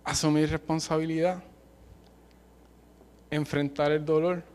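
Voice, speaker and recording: A man's voice: on the high side, flat delivery, measured pace, darkish tone. A man with a Puerto Rican accent preaching a sermon, passionate and emphatic, mixing in colloquial slang and humor. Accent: Puerto Rican Spanish. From Puerto Rico.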